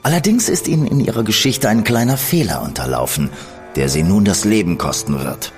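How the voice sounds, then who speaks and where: An actor playing a shrewd, menacing gentleman schemer who speaks in a smooth, ironic and condescending manner. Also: fairly low pitch, expressive, a little fast, soft background music. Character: shrewd, cool male gentleman spymaster, coldly menacing. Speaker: gentleman in an audio drama. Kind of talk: studio audio drama acting.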